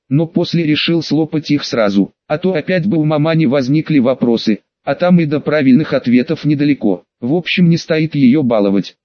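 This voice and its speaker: A man's voice: fairly high pitch, dry recording. A man reading a first-person audiobook in a wry, conversational storytelling manner. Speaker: audiobook narrator. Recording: dull, dry lo-fi recording.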